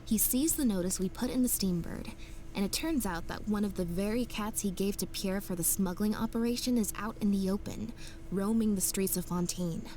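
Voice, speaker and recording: A woman voicing a sharp young detective who calmly explains her deductions. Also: medium pitch, lightly acted, poor audio. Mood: explaining. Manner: measured, explanatory. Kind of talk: game voice acting.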